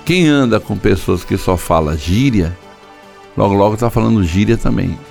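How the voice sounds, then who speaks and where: A man's voice: lowish voice, expressive, normal speed, vocal fry, a little mellow, soft background music. An older man preaching a sermon, telling stories and acting out dialogues in different voices. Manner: storytelling, acts out dialogues in shifting voices. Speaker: pastor.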